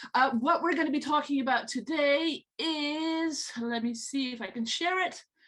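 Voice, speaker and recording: The voice is raised and projected, with a bright, sharp tone and lively intonation. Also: woman. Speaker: business growth coach. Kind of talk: webinar training presentation. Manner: energetic.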